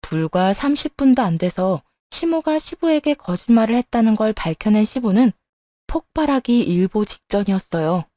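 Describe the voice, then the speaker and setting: 차분한 여성 사연 낭독. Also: female voice, medium pitch, expressive, moderate pace, warm tone, no room sound. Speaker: narrator of a true story. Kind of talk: scripted story narration.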